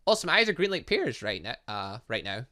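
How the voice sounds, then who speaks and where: A man giving let's play commentary on a game, excitable and reactive, reading dialogue aloud as he goes. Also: mid-range voice, fast. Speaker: gaming channel host.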